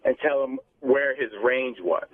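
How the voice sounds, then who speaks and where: A man's voice: medium pitch, fairly even intonation, a little slow, no echo. A man calling in to a radio show over the phone as a guest doctor, explaining things off the cuff. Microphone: phone line. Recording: thin, phone-like call audio.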